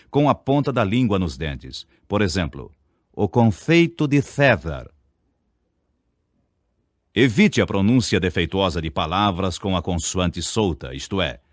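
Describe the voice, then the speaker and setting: A Brazilian man reads a scripted diction lesson, sounding every syllable of his examples with care. His low voice moves through a wide, lively range. The recording is close and dry. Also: dry recording. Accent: Brazilian Portuguese. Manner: deliberate, over-enunciates example words. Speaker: speech teacher.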